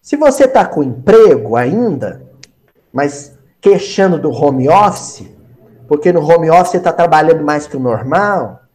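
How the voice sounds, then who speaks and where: Animated Brazilian man teaching gospel study. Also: high voice. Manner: animated, acts out little scenes and repeats phrases for emphasis. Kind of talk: spoken gospel study lesson.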